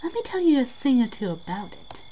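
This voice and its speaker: A woman's voice: high-pitched, sing-song, brisk, mellow, slight background noise. A woman playing a brash young local telling haunted-house tales in an amateur audio drama, casual and dramatic. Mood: indignant amused. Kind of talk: amateur audio drama, scripted ghost storytelling.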